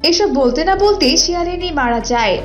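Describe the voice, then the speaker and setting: A woman's voice: high-pitched, expressive, fairly quick. A woman narrating a scripted children's cartoon story. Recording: roomy echo, clear music behind.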